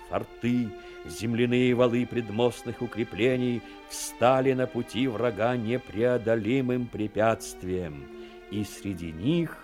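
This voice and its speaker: Male narrator, lowish warm voice, measured, expressive, dramatic war storytelling, faint music behind.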